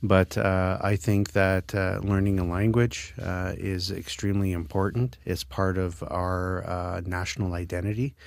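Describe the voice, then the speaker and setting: A man in his fifties from Manitoba, a former French immersion teacher, answering radio interview questions in an earnest, halting way with many filler sounds. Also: low voice, level tone, vocal fry, dry recording. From Manitoba, Canada.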